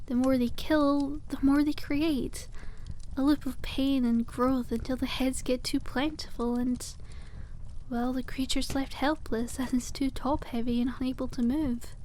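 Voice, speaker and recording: A woman voicing a cute, friendly witch shopkeeper in a soft-spoken ASMR roleplay, explaining things with gentle enthusiasm. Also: sits high, little pitch movement, a little slow, slight background noise, low-quality recording. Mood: earnest, informative.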